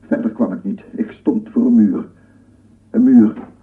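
A man's voice: on the low side, a little slow, far from the mic, lightly acted. An actor playing an obsessive scientist in a radio drama, lecturing formally and rhetorically with fervent wonder, repeating his phrases. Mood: intent, precise. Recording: muffled phone-like radio play recording, off-mic.

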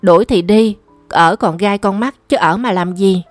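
A woman's voice: medium pitch, normal speed, no echo, faint music behind, close to an everyday voice. A woman voicing an angry, stubborn young boy who answers back defiantly. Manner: defiant, reproachful retorts.

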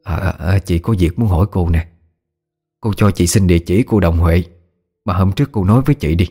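A man voicing a gentle, worried middle-aged mother who speaks softly and soothingly. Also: low-pitched, fairly quick, breathy edge, faint music behind. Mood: hurried. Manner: soft, soothing.

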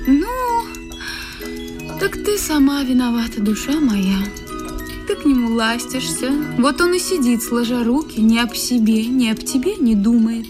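A woman's voice: on the high side, lively intonation, measured pace. An actress in a radio play voicing a smug, materialistic young married woman, condescending and coaxing. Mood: scornful. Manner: condescending, coaxing, self-satisfied. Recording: music behind the voice.

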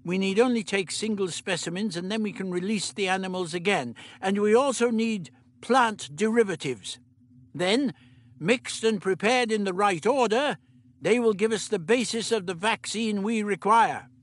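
A man voicing a fussy, absent-minded elderly male doctor who talks in an old-fashioned, brisk way and stammers now and then. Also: high-pitched, pitched above the performer's own voice. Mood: explaining. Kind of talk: audiobook character reading.

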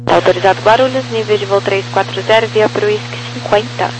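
Fast, high-pitched Brazilian male controller on radio. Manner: clipped, procedural phrasing. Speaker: air traffic controller. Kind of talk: aviation radio clearance callouts. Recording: noisy radio with mains hum.

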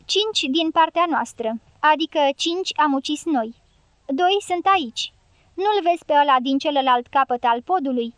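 A woman's voice: high voice, animated, fairly bright tone, no room sound. Jumpy, rambling male gypsy guerrilla for an audiobook, voiced by a woman narrator, dry close sound. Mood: anxious. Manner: anxious, rambling. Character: nervous talkative male gypsy fighter. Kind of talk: audiobook character reading.

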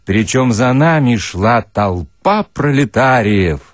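Husky man reading stories with animated drama. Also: mid-range voice, dry recording, clean studio sound. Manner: theatrical, deliberate phrasing. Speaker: actor reading short stories. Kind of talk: dramatic, expressive literary narration.

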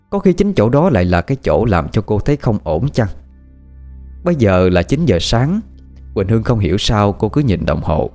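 A man reads a horror story aloud in a low voice. His intonation rises and falls widely to build suspense. Faint music plays behind him. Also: darkish tone. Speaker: audiobook narrator. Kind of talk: scripted horror story narration.

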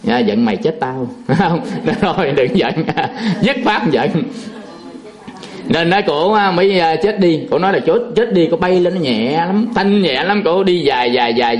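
A man, a Buddhist monk telling a folksy, chuckling story in a sermon, full of fillers. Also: on the high side.

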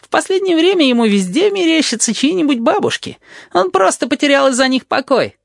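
A man doing a shrill, excitable teen boy. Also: brisk, creaky, no room sound, clean studio sound, exaggerated voice. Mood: giggly mocking. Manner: yelling, giggling, gossipy. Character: shrill excitable teenage boy nicknamed jackal.

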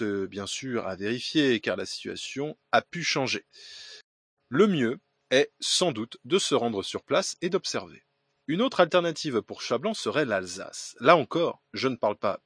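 A man reads listener letters aloud on his podcast, his husky voice rising and falling in a lively way. He stumbles now and then with fillers and restarts, dropping in ironic asides. The sound is close and dry, with no room around it. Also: medium pitch, unhurried, no echo. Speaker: podcast host.

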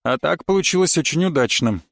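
Pedantic knife-fighting coach, voiced by a man, dry lecturing manner, slightly high voice, dead-dry audiobook recording. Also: animated, brisk, vocal fry, no echo. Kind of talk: audiobook character reading.

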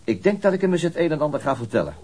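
An actor playing a weary, brusque and dogged police detective, talking conversationally in a radio crime drama. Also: male voice, on the high side, big pitch swings, very fast, mellow, slightly rough. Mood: insistent. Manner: brusque, world-weary, argumentative.

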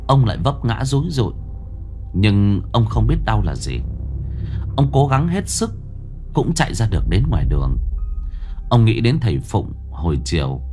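A man narrating a ghost story in an expressive, dramatic way. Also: fairly low pitch. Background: faint music.

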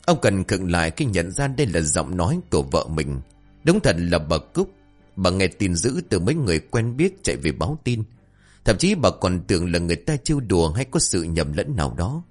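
A man narrating a horror story in a dramatic, expressive way. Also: low voice. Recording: faint background music.

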